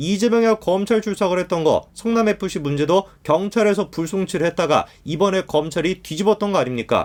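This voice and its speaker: An animated tone with lively intonation, very even loudness, hardly any pauses and a moderate pace. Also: man. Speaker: political commentary YouTuber. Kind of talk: political commentary monologue.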